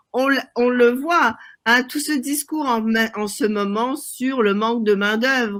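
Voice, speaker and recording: A woman talks at a very slow pace. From Quebec, Montreal. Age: 60s. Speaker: novelist. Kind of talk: interview. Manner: halting, many repetitions.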